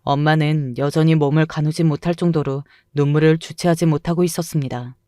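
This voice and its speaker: A woman's voice: sits low, fairly even intonation, brisk, warm tone, no room sound, clean studio sound. A woman narrating a first-person dramatic true story with emotional, indignant delivery.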